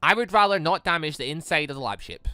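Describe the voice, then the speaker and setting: A man's voice: fairly high pitch, animated, fast talker, pushed and bright, no room sound, clean studio sound, faint music behind. A man voicing a cold, logical machine in a visual novel, with stiff, formal, clipped phrasing. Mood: cold, detached. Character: cold, logical sentient machine controlling a robot body. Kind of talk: visual novel character read-aloud.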